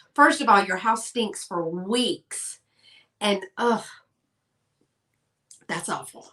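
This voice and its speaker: A woman puts on a raspy character voice, fairly high in pitch and lively in intonation. She speaks very slowly, with long, frequent pauses. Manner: disgusted.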